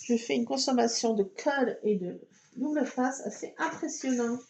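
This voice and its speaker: Chatty woman crafting, gravelly voice. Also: a little high, moderate pace, darkish tone. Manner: chatty, talks to herself while working, fillers like voilà. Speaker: scrapbooking vlogger. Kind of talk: casual crafting chat to viewers.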